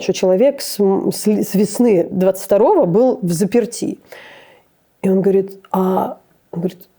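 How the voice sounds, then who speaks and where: A woman's voice, deeply dark and mellow with heavy fry running through it. She recounts what she heard in an easy conversational way, often stopping to search for the next word. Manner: searching for words, restarts. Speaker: interview guest. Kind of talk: conversational storytelling.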